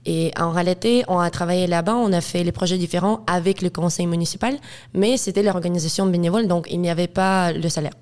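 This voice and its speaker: A student guest from Ukraine, aged eighteen, answers in French during a casual interview, with a Ukrainian accent and Russian and Ukrainian as her native tongues. Her fairly low, darkish voice moves at a quick pace, yet she hesitates often, using many fillers and laughing.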